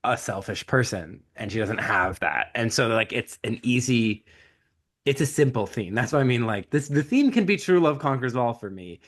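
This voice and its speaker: Male podcast host, medium pitch, informal film-discussion delivery. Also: expressive, moderate pace, fairly bright tone.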